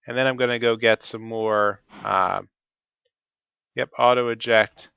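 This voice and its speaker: A man's voice: medium pitch, fairly even intonation, a little slow, gravelly, sharp tone, smooth, no room sound, muffled recording. A man with a stuffy, cold-affected voice, talking methodically through each step of his gameplay. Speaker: Let's Play host. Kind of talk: casual gameplay commentary.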